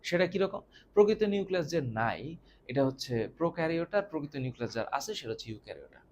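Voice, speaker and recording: Animated man teaching a biology class. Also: a little high, fast, slight background noise. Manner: animated, repeats key terms for students to echo; mixes English phrases into his explanation. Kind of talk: classroom lecture.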